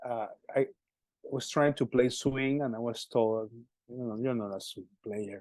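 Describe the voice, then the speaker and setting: With a Colombian accent, a man talks at a medium pitch and a fairly slow pace, using ordinary pitch variation, long, frequent pauses, and big swings in loudness. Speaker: musician and music educator. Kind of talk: interview. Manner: halting, many repetitions.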